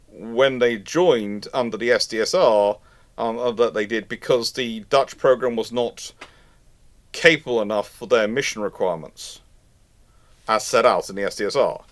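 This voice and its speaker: A man hosting a live question-and-answer stream, speaking off the cuff in a rambling, halting way with exasperated asides. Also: mid-range voice, a bit bright. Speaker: host of a live naval history question stream. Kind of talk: unscripted live commentary and Q&A.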